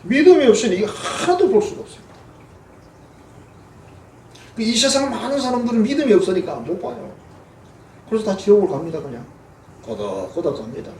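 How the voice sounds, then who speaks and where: Very animated and brisk, pausing often, a male pastor with a Gyeongsang Korean accent preaches a folksy, funny sermon and acts out the voices he quotes. His voice sits high and a little mellow, recorded by a distant mic in an echoey church sanctuary with slight background noise.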